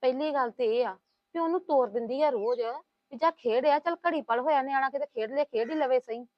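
Brief: actress as a complaining housewife, high voice, dull dry audio. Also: female voice, fairly quick, no room sound, lightly acted. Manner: complaining, gossiping, soothing. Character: talkative scheming woman, middle-aged housewife. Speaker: housewife in a family drama. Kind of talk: web series acting. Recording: dull lo-fi sound.

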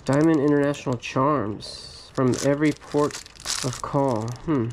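A man reselling storage lockers hosts a laid-back vlog from a cluttered metal unit, commenting on what he unboxes. His voice is mid-range and a little slow, with slight background noise. He muses aloud while digging through things, often humming "hmm" and chuckling.

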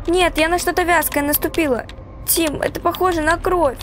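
A woman's voice: very high-pitched, fairly even intonation, moderate pace, a bit bright, a little hiss or hum. A woman voicing a frightened, anxious young woman stranded on a train in a horror text-message story. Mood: fearful. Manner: anxious, breathless exclamations and pleas.

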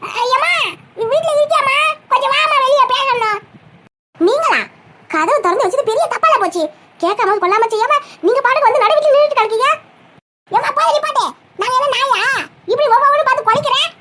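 Woman voicing cartoon granny, older, very high and shrill, rapid-fire. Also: pushed and bright, slight background noise. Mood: grumbling. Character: scolding old village grandmother, sharp-tongued. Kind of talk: cartoon comedy voice acting.

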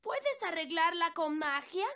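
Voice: very high-pitched, sing-song, measured pace, bright, forceful tone, full character voice. A performer voicing an earnest, hesitant young elf boy with a childlike voice in a Latin American Spanish cartoon dub. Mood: worried. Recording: music behind the voice.

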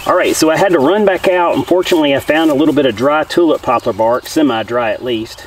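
At a forest camp, a man in his forties who hosts bushcraft content talks fast in a higher-pitched voice, relaxed as he works with his hands and casually explains what he's doing. Crowd noise can be heard. The camera sits a few feet off, so his voice is a bit distant with faint outdoor sounds.

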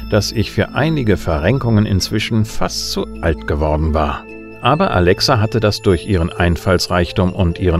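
An actor playing a cocky middle-aged bounty hunter who flirts smoothly and narrates wryly in a sci-fi audio drama. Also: male voice, deep voice. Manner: wry, laconic. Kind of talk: first-person noir narration and dialogue in German sci-fi audio drama. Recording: music behind the voice.

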